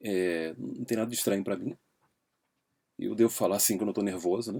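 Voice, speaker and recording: On a very clean recording with a silent background, a man speaks in a fairly low, dark, mellow voice with ordinary pitch variation. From Brazil. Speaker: language teacher. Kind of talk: casual chat. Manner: halting.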